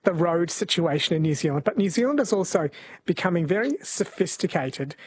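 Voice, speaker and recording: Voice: medium pitch, lively intonation, a little fast, a little hiss or hum. A radio host interviewing a correspondent with playful, teasing questions.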